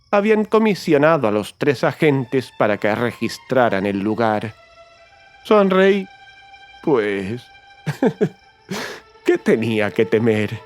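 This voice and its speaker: An actor playing a nervous, gleeful madman confessing to murder in a theatrical horror audiobook, with erratic swings and drawn-out emphatic words. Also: mid-range voice, natural voice. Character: nervous, gleeful, mad male murderer confessing his crime. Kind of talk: dramatic horror audiobook narration. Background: music.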